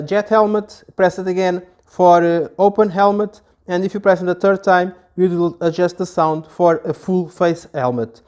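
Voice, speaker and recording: A man, explaining a product in a casual, halting demonstration style. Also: high-pitched, darkish tone, clean tone. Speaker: product reviewer. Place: small office, indoors.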